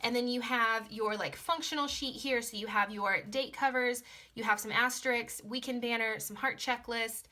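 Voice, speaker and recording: A young woman chatting casually through a planner sticker haul, gushing and repeating words, her voice slightly hoarse from being sick. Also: on the high side, steady tone, moderate pace, pushed and bright. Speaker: planner vlogger.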